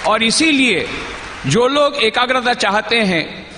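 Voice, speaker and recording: A man's voice: very high voice, expressive, slow pace, a crowd in the background, noisy background. A man, a monk, giving a teacherly talk to a youth gathering, asking the audience questions and repeating key phrases. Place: large hall at a convention. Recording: echoey hall with long reverb.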